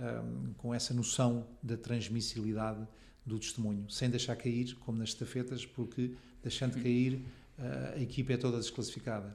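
A somewhat breathy male voice with flat, monotone intonation at a moderate pace. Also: medium pitch for a man. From Portugal, Lisbon. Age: 50s. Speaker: guest interviewee. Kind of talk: casual interview. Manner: hesitant, many fillers.

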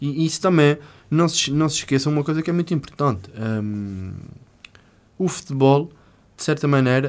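His pitch is fairly high for a man, with ordinary pitch variation at a moderate pace. The recording is very clean, with a silent background. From Azores, Portugal. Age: 30s. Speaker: lawyer and football club president. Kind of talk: casual interview. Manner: animated; halting.

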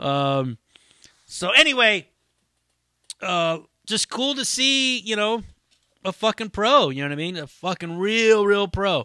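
A man with a high pitch uses a raised, projected voice with a bright, sharp tone and very wide pitch swings. His animated speech moves at a fairly slow pace with long, frequent pauses. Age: 40s. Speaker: podcast host and stand-up comedian. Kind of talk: casual chat.

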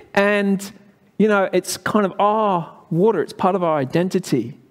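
A man speaks with an English accent. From England. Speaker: preacher. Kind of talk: sermon.

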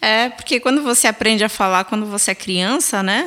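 Here a woman with a Brazilian accent speaks with ordinary pitch variation. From Brazil (born in Chile, moved at age two). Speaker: musician and podcast co-host. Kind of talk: casual chat.

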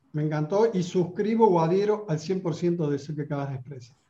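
In an Argentine accent, a man speaks at a moderate pace with ordinary pitch variation. His voice is fairly high, with a dark, mellow tone. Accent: Argentine Spanish (voseo). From Argentina. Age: 40s. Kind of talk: interview conversation.

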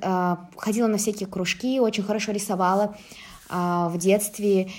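A woman at a medium pitch speaks at a moderate pace with monotone, flat intonation. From Kazakhstan, Almaty. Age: 20s. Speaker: artist and photographer. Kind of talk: interview.

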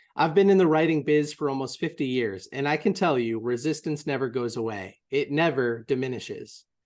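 Over a quiet background, a man with an ordinary speaking voice talks at a fairly quick pace, fairly high in pitch with ordinary pitch variation. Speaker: podcast co-host. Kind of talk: interview conversation.

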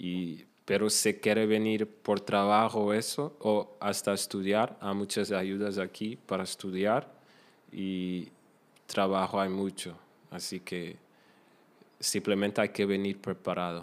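A man's fairly low, monotone voice with flat intonation at a very slow pace. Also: very clean recording, silent background. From Portugal, Lisbon. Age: 20s. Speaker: guest, telecom worker. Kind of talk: casual interview.

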